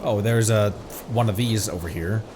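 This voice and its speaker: A man's voice: lowish voice, moderate pace, noisy background. A man giving casual live game commentary as a streamer, with murmured asides that trail off mid-thought. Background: game music.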